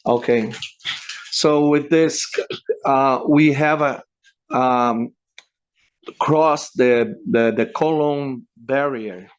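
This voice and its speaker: A man's voice: mid-range voice, fairly even intonation, drawn-out words, long pauses, smooth, muffled recording. A man whose first language is Spanish, interpreting into English on a video call, searching for words with many fillers. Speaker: volunteer interpreter.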